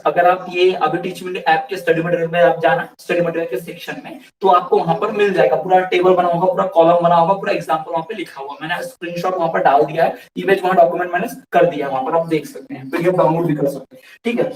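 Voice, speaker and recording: A high-pitched man gives an online grammar lesson in a relaxed, conversational way. He keeps asking his viewers questions and answers them with simple examples. His voice echoes around the room and sits a little back from the mic. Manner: explains by repeated questions and examples, addresses viewers as "bhai". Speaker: online English grammar teacher. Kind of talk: casual spoken grammar lesson. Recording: roomy echo, somewhat far from mic.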